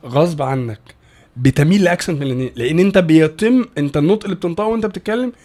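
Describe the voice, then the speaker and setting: A man with an Egyptian Arabic accent explains things in a rush of quick speech. He talks in an animated way, keeps breaking off and repeating words, and his voice sits on the higher side. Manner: animated, fast, many restarts and repeated words. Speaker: English pronunciation teacher, guest. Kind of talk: casual podcast conversation.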